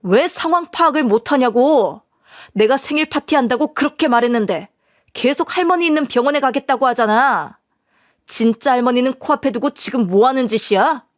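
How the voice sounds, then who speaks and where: A woman's voice: high voice, lively intonation, a little fast, no echo, clean studio sound. Woman voicing a curt, blaming husband. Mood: scolding. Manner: curt, scolding, accusing. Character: stubborn, blaming middle-aged husband. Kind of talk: storytelling dialogue.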